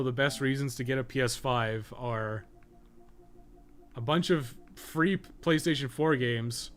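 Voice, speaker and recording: A man giving casual, rambling livestream commentary while he plays a game, blunt and slangy with some swearing. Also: medium pitch. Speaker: game livestreamer and podcast co-host.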